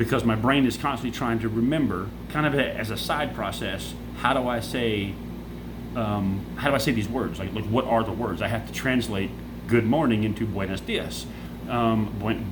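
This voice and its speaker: A man with an American accent speaks at a moderate pace and fairly even intonation against noticeable background noise. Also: medium pitch for a man. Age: 40s. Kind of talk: casual talk to camera.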